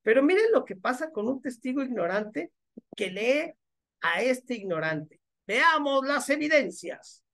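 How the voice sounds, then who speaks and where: A man's voice: very high-pitched, very animated, unhurried, vocal fry, fairly bright tone. A man giving mocking, sarcastic commentary as he reads out viewer comments. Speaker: religion critic commentator.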